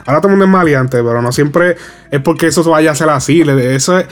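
A man's voice: a little high, quick pace. A man co-hosting a casual entertainment news chat, joking crudely and laughing often. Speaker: podcast co-host.

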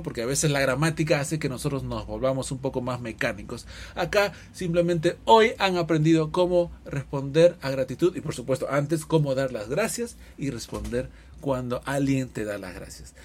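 A male teacher giving a language lesson who models phrases slowly and carefully, then explains them and acts out short dialogues. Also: a little mellow, husky. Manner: acts out short dialogues, often in a raised, high voice. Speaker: English teacher.

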